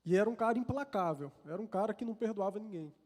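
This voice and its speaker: Talking fast and animatedly, this Brazilian preacher has a high, darkish voice that rings with the long reverb of a large church hall. His sermon is a heartfelt personal confession, full of repeated and restarted words.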